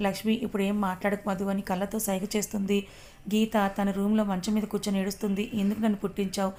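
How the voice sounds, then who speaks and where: A woman narrating a serialized story. She reads quickly with a flat, even line and little melody. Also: mid-range voice. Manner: brisk, even reading.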